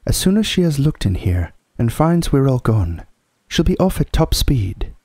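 A man's voice: mid-range voice, big pitch swings, moderate pace, a little mellow, dry recording, studio quality, pitched above the performer's own voice. A man voicing a worried young girl in a storybook, anxious, urgent and questioning. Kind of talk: storybook character voice.

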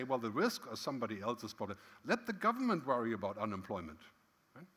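Middle-aged male keynote speaker, casual and emphatic, hall echo. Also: fairly high pitch. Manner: conversational, frequent "right?" tags, lively emphatic swings. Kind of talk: conference keynote talk. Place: large conference hall stage. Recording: long hall reverb.

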